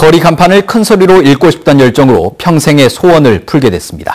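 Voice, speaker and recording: Against a quiet background, a man with an unremarkable speaking voice talks fairly quickly at a fairly high pitch with lively intonation. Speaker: news anchor. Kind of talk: TV news anchor read. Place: studio. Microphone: lapel.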